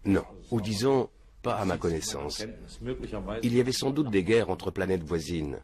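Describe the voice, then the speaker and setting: Older man with a very deep, level voice. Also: animated, moderate pace, crowd noise. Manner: matter-of-fact, earnest, unshaken by questions. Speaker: interviewee. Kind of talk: documentary interview. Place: small room indoors, seated at a desk. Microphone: film crew mic off camera.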